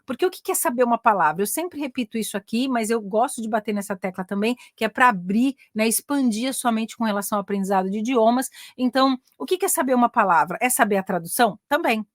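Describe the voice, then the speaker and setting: A woman's voice: on the high side, lively intonation, fast, hardly any pauses, dry recording, clean studio sound. A middle-aged Brazilian woman with a Brazilian Portuguese accent, an English teacher and career mentor giving a casual online lesson, often tagging her sentences with "né?" and pressing her points eagerly. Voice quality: chatty, frequent "né?" tags.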